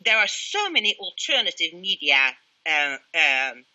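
A woman's voice: on the low side, sing-song, measured pace, bright, forceful tone, poor audio. A middle-aged woman with a Swedish accent, answering interview questions emphatically over a headset on a video call from a small room at home. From Sweden. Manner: emphatic, opinionated, with frequent restarts. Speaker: guest.

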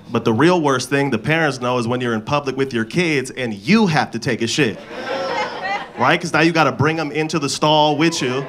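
On a comedy club stage, a mid-voiced man in his thirties gripping a handheld mic tells loose, profane, slang-filled stories. The crowd laughs throughout, and the background is noisy.

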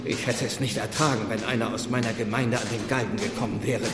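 An actor playing an earnest, self-righteous village reverend in a German radio play, with a solemn, formal and guarded delivery. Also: male voice, medium pitch, fairly even intonation, fast talker, over loud music, lightly acted. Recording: echoey stone church space, noisy background.

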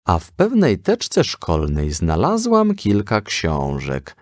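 Man reading as a firm, slow-spoken storybook mother. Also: low-pitched, wildly swooping pitch, no room sound, studio quality, exaggerated voice. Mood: admonishing. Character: calm, firm, moralizing mother of a boy.

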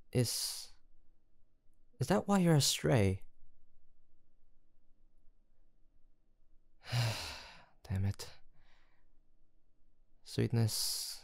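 A man voicing a gentle, protective man who talks softly and teasingly to a frightened stray he has rescued, in a close audio roleplay. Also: medium pitch, gravelly, dry recording, exaggerated voice. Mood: tender. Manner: soft teasing, coaxing and reassuring.

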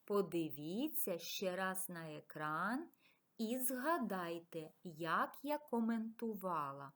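A woman teacher giving a recorded video lesson to schoolchildren, dictating example words slowly and deliberately. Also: mid-range voice. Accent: Ukrainian.

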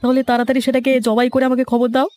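A man's voice: very high-pitched, monotone, quick pace, darkish tone, faint music behind. A man voicing a greedy, scheming cartoon land broker, pushy and threatening. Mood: gloating, scheming. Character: scheming, greedy male land broker who bullies villagers. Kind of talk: dramatic cartoon voice acting.

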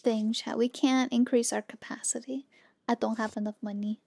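A woman's voice: fairly high pitch, fairly even intonation, normal speed, vocal fry, mellow. A woman doing casual, playful live gameplay commentary, chatting with her viewers as she plays. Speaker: game streamer.

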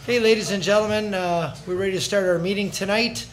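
A middle-aged man chairing a council meeting as mayor, brisk and chatty with joking asides, speaking into a desk microphone in a large chamber. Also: high voice, steady tone, a little hiss or hum. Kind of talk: formal council meeting announcements.

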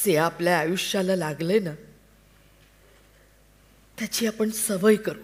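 A woman reading the part of an anxious, devoted wife and mother in a staged play reading, coaxing and pleading in a slow way. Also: lowish voice, close to an everyday voice. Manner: pleading, coaxing, tender with a child.

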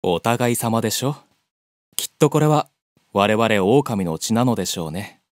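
A man's voice: on the low side, animated, moderate pace, no room sound, clean studio sound, natural voice. A man playing a determined white-wolf beastman in an audio drama, formal and earnest. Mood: resolute.

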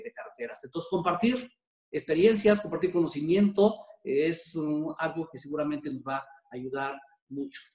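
A man's voice: on the high side, darkish tone, echoey room. A man, presenting formally with many hesitant fillers. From Mexico. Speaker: government official presenting.

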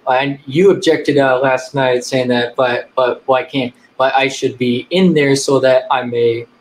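A young man talking on a video call, halting and filling his speech with "like" and repeated words as he argues his view. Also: mid-range voice, fairly even intonation, low-quality recording. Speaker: debate guest. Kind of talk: casual debate on a video call. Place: small room indoors.

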